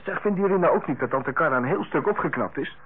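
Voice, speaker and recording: A boyish, enthusiastic nephew in a vintage radio drama. His slightly high voice is husky and very animated. The sound is a little dull. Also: fast talker. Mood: relieved. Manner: enthusiastic, slangy. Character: eager, boyish young nephew. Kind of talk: old radio play acting. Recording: dull old radio recording.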